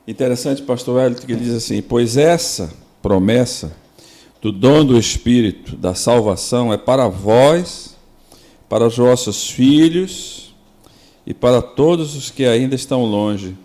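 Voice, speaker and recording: Earnest Brazilian pastor, mid-pitched. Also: male voice, warm tone. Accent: Brazilian Portuguese. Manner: earnest, slows down to quote scripture and prayer. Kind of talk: devotional podcast chat.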